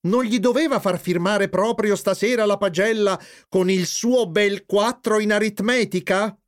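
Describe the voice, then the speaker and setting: A man voicing an older, sharp-tongued aunt who scolds and mocks with sarcasm. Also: high-pitched, unhurried, pitched above the performer's own voice. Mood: reproachful. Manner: reproachful, sarcastic.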